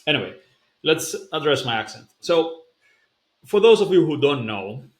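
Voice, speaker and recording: A young language-learning YouTuber from Spain's Basque Country, a native Basque speaker, talks casually to camera in English. His accent is Basque-influenced with a slight German tinge, and he's chatty and relaxed, full of fillers and restarts. His voice is a little high at a normal speed, and the room sounds reverberant.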